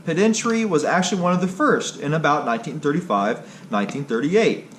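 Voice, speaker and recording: A man reading a scripted history narration aloud, somewhat haltingly. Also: fairly high pitch, a bit bright. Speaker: video creator and narrator. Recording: clearly noisy background ambience.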